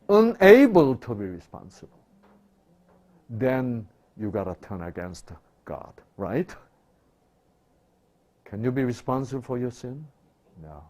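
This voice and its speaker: Male preacher; slow, very lively pitch, quizzes the congregation. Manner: asks rhetorical questions and answers them; swings between loud emphatic bursts and quiet low asides. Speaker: pastor. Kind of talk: sermon.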